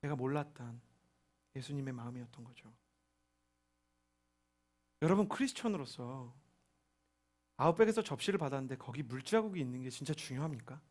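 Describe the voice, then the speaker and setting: A young adult man preaching a sermon as a pastor, telling a story and acting out the voices in it. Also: medium pitch. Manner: animated, acts out quoted voices.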